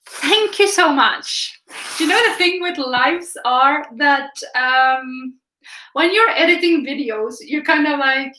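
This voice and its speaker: Painting live and reading out viewers' comments, a young woman from Finland with a Finland Swedish accent chats casually as the stream's art host. She speaks slowly in a high, sharp voice, captured by an overhead camera in a roomy, rough-sounding recording.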